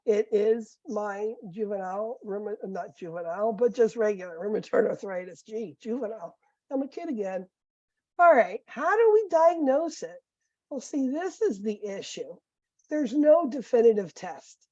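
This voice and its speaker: A middle-aged nursing professor with a squeaky voice, giving a conversational recorded lecture full of fillers and asides. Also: female voice, expressive, normal speed, warm tone, no echo. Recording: dull, muffled lecture recording.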